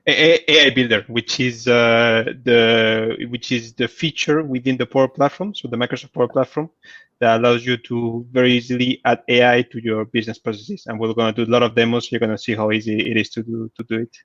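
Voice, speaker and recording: A man's voice: medium pitch, level tone, a little fast, a bit bright, no echo, highs cut off. A man speaking as a guest presenter on a video call through a headset, eager and stumbling over repeated words now and then. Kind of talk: casual tech presentation.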